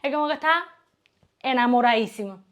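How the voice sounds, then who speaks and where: A young woman with a Cuban accent, vlogging from home in a playful, teasing way. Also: fairly high pitch. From Cuba. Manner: playful, fast, teasing, lively. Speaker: YouTuber. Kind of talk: casual vlog to camera.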